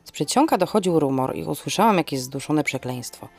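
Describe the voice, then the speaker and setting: Expressive low-voiced woman storyteller. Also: fairly quick, slightly rough. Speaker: podcast host and narrator. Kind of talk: scripted first-person storytelling.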